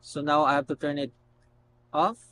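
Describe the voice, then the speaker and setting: Male product reviewer, casual and unscripted, halting instructional delivery, noisy home-style recording with hum. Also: a little high, steady tone, fairly bright tone. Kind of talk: casual unscripted gadget demonstration. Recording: noticeable background noise and hum.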